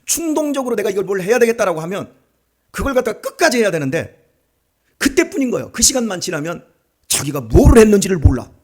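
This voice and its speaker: A man's voice: high voice, fast. A middle-aged male pastor giving an early morning sermon, acting out family dialogue as he talks. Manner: animated, acts out family dialogue.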